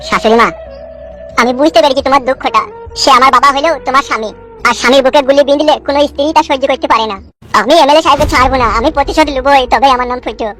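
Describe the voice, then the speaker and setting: A woman's voice: high-pitched, racing, fairly bright tone, soft background music. A woman voicing a hot-headed young man in a cartoon, ranting, swearing and vowing revenge. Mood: determined. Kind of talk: cartoon voice acting.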